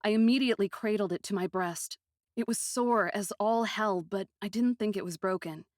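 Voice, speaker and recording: A woman narrating a first-person fantasy story in an expressive, literary manner with deliberate phrasing. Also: medium pitch, dry recording, studio quality.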